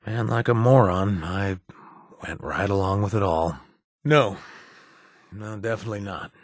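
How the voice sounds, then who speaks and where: An actor playing a wry, joking former raider who is protective of his friend, with a husky voice. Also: deep voice, no room sound, studio quality, heavily acted. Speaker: game companion. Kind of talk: video game voice lines.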